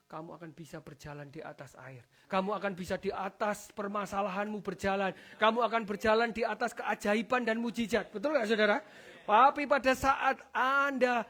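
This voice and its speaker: A pastor preaching a lively sermon to a congregation. The pastor keeps calling out to the listeners, and the delivery swings from loud bursts of emphasis to low, quiet asides. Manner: animated preaching, addresses the congregation as "saudara" after almost every phrase. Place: church service.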